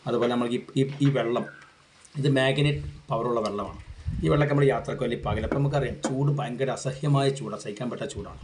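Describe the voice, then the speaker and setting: A middle-aged man gives an earnest, rambling product testimonial. He talks at a rapid clip in a mid-range voice. A faint background hum sits under his words. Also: medium pitch. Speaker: mimicry artist giving a product testimonial.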